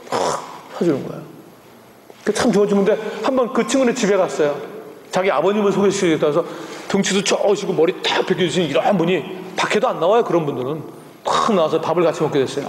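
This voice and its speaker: A man in his fifties, a missionary preaching a sermon and telling humorous stories, acting out voices as he quotes people. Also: high voice. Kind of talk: sermon with storytelling. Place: church sanctuary. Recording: echoey church hall.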